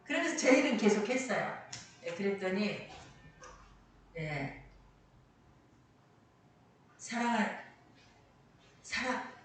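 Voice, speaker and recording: A woman preaching a Sunday sermon with a lively, rising and falling voice, stressing and repeating her key lines. She is heard from some distance in a very echoey church hall. A faint hum of noise sits under her voice. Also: medium pitch, slow, long pauses. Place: church sanctuary.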